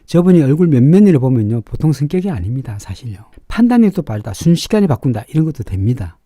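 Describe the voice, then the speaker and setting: A middle-aged man with a slightly raspy, sharp-edged voice, explaining things informally and emphatically as an opinionated fortune-telling show host. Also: medium pitch, very animated, fast talker, dry recording, studio quality. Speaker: fortune-teller and face reader hosting a show.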